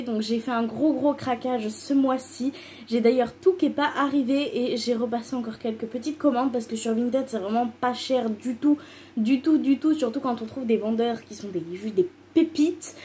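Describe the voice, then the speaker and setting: A woman talks straight to her viewers in a loose, rambling beauty-vlog manner. Her voice sits a little high but has a soft, mellow tone. She piles up repeated intensifiers with easy, chatty enthusiasm. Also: slight background noise. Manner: loose and rambling, many fillers. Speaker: beauty vlogger. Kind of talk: casual chatty haul video.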